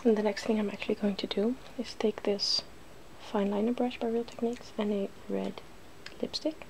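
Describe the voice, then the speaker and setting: A woman hosting a casual ASMR makeup demonstration, soft-spoken and often dropping into a whisper. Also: mid-range voice, steady tone, moderate pace, vocal fry, rough recording. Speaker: ASMR video host. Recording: faint background noise.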